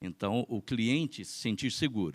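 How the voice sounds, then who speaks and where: Spoken with lively intonation. The audio is very clean and the background silent. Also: man. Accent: Minas Gerais. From Minas Gerais, Brazil. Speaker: fraud prevention specialist, panelist. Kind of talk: panel discussion.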